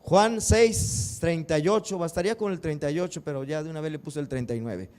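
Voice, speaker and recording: Pastor, male, higher voice, sermon delivery with rhetorical questions to the congregation. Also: a little fast, darkish tone. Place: church.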